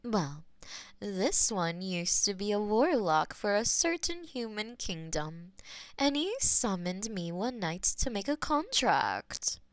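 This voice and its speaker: A woman voicing a possessive, teasing female demon mistress who is smug and powerful, dropping at times to soft whispers. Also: medium pitch, clear, resonant tone, no room sound. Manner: teasing, slow and purring, drops to soft whispers. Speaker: voice actor in an audio roleplay. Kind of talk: audio roleplay acting.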